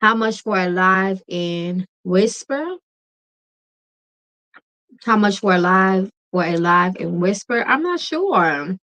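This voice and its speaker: A relaxed woman hosts a late-night livestream, chatting easily with her viewers and calling them y'all. Her voice is bright and calming, and she laughs often between remarks. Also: medium pitch, slow, pauses often. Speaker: tarot reader and livestream host. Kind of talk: casual livestream chat with viewers.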